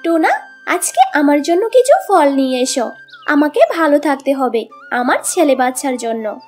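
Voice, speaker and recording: Woman playing a high-voiced, snappish selfish mother bird. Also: lively intonation, moderate pace, darkish tone, faint music behind. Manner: whiny, snappish, dismissive. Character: selfish, sulky mother bird who wants a son. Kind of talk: children's cartoon acting.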